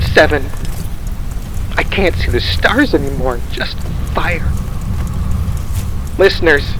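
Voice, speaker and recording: A man playing a weary radio broadcaster at the end of the world in an audio drama, speaking in halting, dramatic phrases. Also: a little high. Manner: slow, halting, dramatic delivery in short phrases. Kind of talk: apocalyptic audio drama acting. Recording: loud rain-like noise bed.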